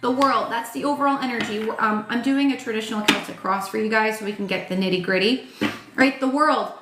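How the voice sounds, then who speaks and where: Reverberant audio with slight background noise captures a woman in her thirties giving a casual tarot reading. Her voice is a little high, fairly bright, and a little fast, tired and starting to crack. She's blunt and chatty, swears, and leans on "like" and "um."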